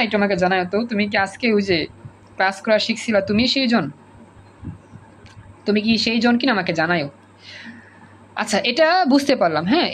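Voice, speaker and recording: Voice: medium pitch, a bit bright, a little hiss or hum, low-quality recording. A woman with a Bangladeshi Bengali accent teaching an online class, repeating points and coaxing students to answer over a video call.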